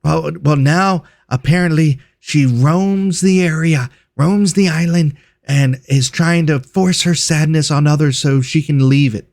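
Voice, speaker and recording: A man acts out a friendly, overworked clawed creature from a tabletop game. The voice is slightly high and dry, rambling along with hesitant, gossipy chatter. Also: a little slow, hardly any pauses, a little mellow, no room sound. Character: chatty clawed cave-loving resort worker, friendly and overworked.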